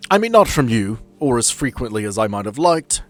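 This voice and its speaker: A man's voice: medium pitch, very animated, brisk, a bit bright. A man voicing a busy, impatient female office boss with stiff, wordy, formal speech in a tabletop game. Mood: dry impatience. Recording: background music behind the voice.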